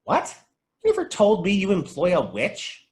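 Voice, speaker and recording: A woman's voice: fairly low pitch, huge pitch swings, moderate pace, a little mellow. A woman playing a bewildered, exasperated video store worker who bickers incredulously in a comedy table read.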